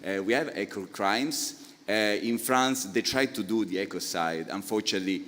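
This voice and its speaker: A man with an Italian accent answering on a panel, explaining at length with frequent pauses and filler sounds. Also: lowish voice, fairly bright tone. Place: conference hall. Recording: reverberant conference hall.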